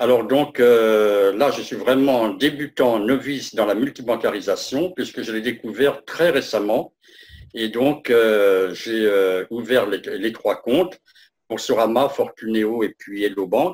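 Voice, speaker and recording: A man at a medium pitch and very slow pace, with ordinary pitch variation. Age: 60s. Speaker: civil servant, course participant. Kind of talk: interview. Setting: live video interview. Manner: hesitant, many fillers.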